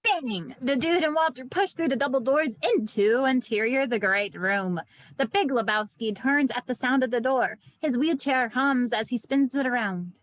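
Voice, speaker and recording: A woman's voice: high voice, moderate pace, no room sound. A woman narrating screenplay stage directions in a virtual table read.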